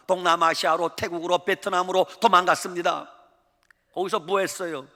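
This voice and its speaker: A male pastor giving a Sunday sermon, telling stories with lively acted-out voices, sometimes booming and sometimes hushed. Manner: animated storytelling, acting out voices of people in the stories; swings from loud exclaiming to hushed murmuring. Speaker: senior pastor. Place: church sanctuary. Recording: reverberant church sanctuary.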